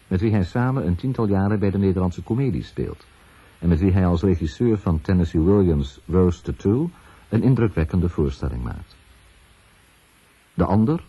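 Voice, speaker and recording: Male documentary narrator, Netherlands Dutch. Extremely mellow, deep tone, formal measured read; dull archival radio sound. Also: husky. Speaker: radio presenter. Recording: dull, muffled older radio tape.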